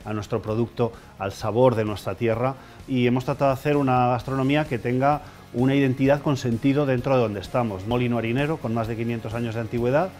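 A chef speaking in a measured, reflective way in an interview in a restaurant lounge. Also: male voice, medium pitch, fairly even intonation, darkish tone, soft background music. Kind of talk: interview talk.

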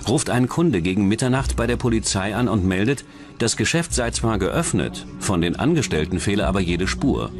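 A man's voice: on the low side, expressive, normal speed. A man reading scripted true-crime documentary narration as the narrator. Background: background music.

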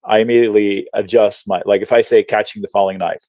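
A man from Lebanon, an options trading educator, explaining charts on a video call in a chatty, animated way with slang and frequent restarts. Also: fairly low pitch, quick pace, no echo. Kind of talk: casual webinar explanation while sharing charts.

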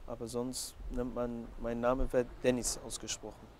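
A man's voice: mid-range voice, flat delivery, moderate pace, a little mellow. A man in his twenties from Hamburg, a footballer answering interview questions in a casual way. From Hamburg, Germany. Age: 20s. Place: open-air terrace by a training pitch. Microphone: lapel mic. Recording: outdoor recording with clear background noise.

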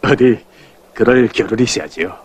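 Very husky young North Korean soldier played by a man. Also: medium pitch, moderate pace, lightly acted. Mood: bashful, cheerful. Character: cheerful, bashful young male battalion commander. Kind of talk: film drama acting.

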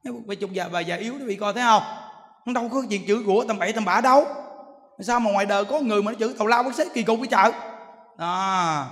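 Man, monk preaching a sermon, high voice, folksy and bantering, long hall echo. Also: fast, a bit bright. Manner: folksy, bantering, often asks the listeners if they follow. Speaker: Buddhist monk teacher. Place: temple hall.

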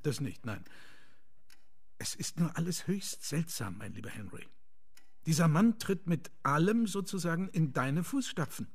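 A proper measured lawyer in a radio play, courteous, slightly high voice. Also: male voice, animated, gravelly, breathy edge, heavily acted. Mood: earnest concern. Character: Mister Utterson, genial but concerned gentleman lawyer. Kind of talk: German radio drama acting.

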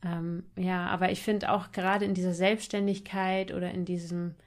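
A woman's voice: lowish voice, flat delivery, moderate pace. A woman talking casually and enthusiastically as a musician guest in a podcast interview, in informal language.

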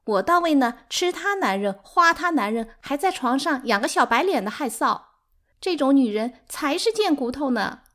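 A woman voicing a hysterical, defiant younger concubine in an audiobook, shrill and wailing with grievance. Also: expressive, moderate pace, fairly bright tone. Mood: bitter, accusing. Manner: wailing, taunting. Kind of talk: dramatic audiobook character acting.

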